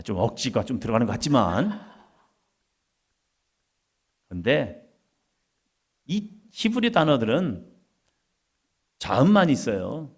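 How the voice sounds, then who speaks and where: A middle-aged male pastor from Chungcheong with a Chungcheong accent, preaching a lively sermon and acting out quoted voices. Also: medium pitch. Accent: Chungcheong Korean. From Korea, Chungcheong region. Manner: lively preaching, quoting people in changed voices, laughing with the congregation.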